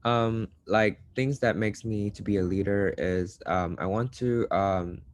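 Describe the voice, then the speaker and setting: A man from Vietnam, a student ambassador, introducing himself in halting sentences full of fillers. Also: lowish voice.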